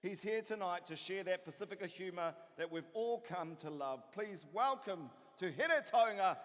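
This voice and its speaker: A high-pitched man hosts from a theatre stage, teasing the audience before he calls up the next act. His voice rings out through the long reverb of a big hall. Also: expressive, moderate pace. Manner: playful, builds to a loud announcement. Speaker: MC introducing acts. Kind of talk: stage introduction.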